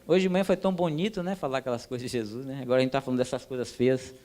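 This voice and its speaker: A man's voice: mid-range voice, racing. Emphatic man teaching a sermon. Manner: animated, emphatic, addresses listeners directly. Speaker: church teacher.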